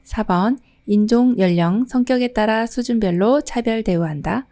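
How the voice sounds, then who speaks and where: Middle-aged lady instructor going over exam questions, soft mellow voice, reads the options out then explains like a friendly teacher. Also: on the high side, normal speed. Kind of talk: lecture explaining exam answers.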